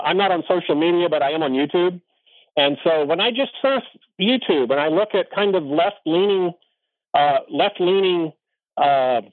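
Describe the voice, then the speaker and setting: A man's voice: on the high side, dry recording. A man, an economist guest, giving opinionated political commentary in an emphatic, lecturing way, with frequent fillers and restarts. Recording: tinny phone-line sound.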